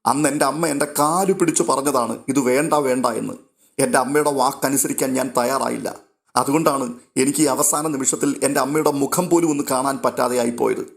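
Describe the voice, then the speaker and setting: A man voicing a frantic middle-aged mother who pleads and wails in quick questions. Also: medium pitch, gravelly, natural voice. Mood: grieving.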